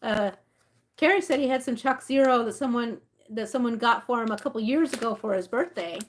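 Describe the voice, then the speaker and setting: A woman's voice: on the high side, fairly quick, slight background noise. A woman from Mexico and the rural Southwest hosting a casual livestream, chatty and informal as she thinks aloud. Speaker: livestream host. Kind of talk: casual livestream chat, reading labels aloud and replying to viewers.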